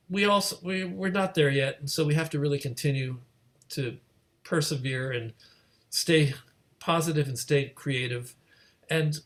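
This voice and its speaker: A man hosting a conversational interview over a video call, halting as he repeats and rephrases his questions. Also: mid-range voice. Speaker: host of an online gathering.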